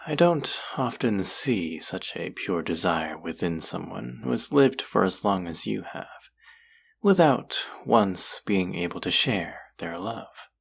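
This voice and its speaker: Guy doing a possessive demon for roleplay audio, real low n raspy, slow fancy formal talk, kinda coaxing. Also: lively intonation, exaggerated voice. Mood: hungry, seductive. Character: possessive, courtly male demon who hungers for hearts. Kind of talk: scripted roleplay audio drama addressed to the listener.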